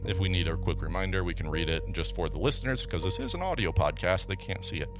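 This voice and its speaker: A man's voice: low voice, animated, quick pace, music in the background. A man hosting a tabletop game podcast as game master, chatting casually and recapping the story, with frequent stumbles and laughs. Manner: chatty, stumbling over words, laughs often.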